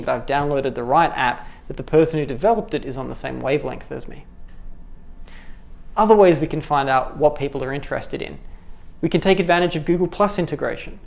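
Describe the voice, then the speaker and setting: A man's voice: a little high, creaky, a little mellow. A man in his thirties with an Australian accent, presenting a scripted tutorial on app development in an upbeat way in a studio. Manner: upbeat, gestures with hands while talking. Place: studio with dark backdrop.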